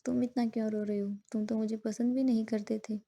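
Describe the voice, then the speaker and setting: A woman voicing a gentle, apologetic young man in a storybook reading, speaking softly and pleadingly. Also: a little high, little pitch movement, brisk, vocal fry.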